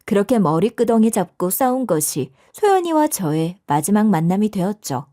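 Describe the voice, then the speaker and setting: A woman's voice: medium pitch, sing-song, normal speed, dark tone. A woman narrating a dramatized personal story in a confiding, conversational tone.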